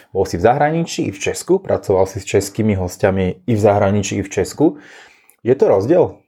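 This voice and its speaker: Somewhat breathy and lively in intonation, the voice moves at a very fast pace in a very clean recording with a silent background. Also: man, fairly low pitch for a man. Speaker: podcast host and recruiter for resort entertainers. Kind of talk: casual interview.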